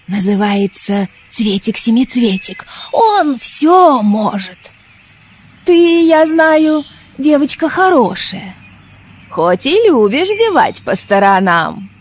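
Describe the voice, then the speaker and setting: A woman playing a kindly old woman in a children's fairy tale, husky, measured and mysterious. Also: medium pitch, a little mellow. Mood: kindly, generous. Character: kindly old woman with a magic flower garden.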